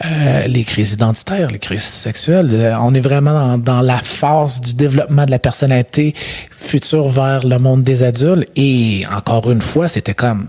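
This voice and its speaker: A man talks at a fairly slow pace with a medium pitch. Noticeable background noise runs underneath. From Quebec, Rivière-du-Loup (Bas-Saint-Laurent). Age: 30s. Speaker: podcast guest sharing his adoption story. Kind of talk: personal testimony in an interview. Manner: halting, with many fillers and repetitions.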